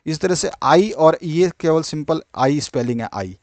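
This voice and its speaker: A man teaching an exam-prep lesson in Hindi, reading English definitions out slowly and often repeating small filler phrases. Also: on the high side, expressive, a little mellow, no echo.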